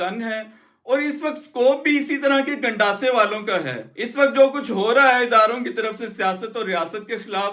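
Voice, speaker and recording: The voice is raised and projected, with a bright, sharp tone and ordinary pitch variation. The recording is very clean, with a silent background. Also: man. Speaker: political commentator / news show host. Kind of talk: political commentary monologue to camera.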